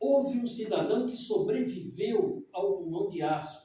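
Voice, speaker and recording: Audible room echo surrounds a man whose high pitch shows very wide swings. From Brazil, São Paulo. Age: 60s. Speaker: journalist and author. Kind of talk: talk with slides.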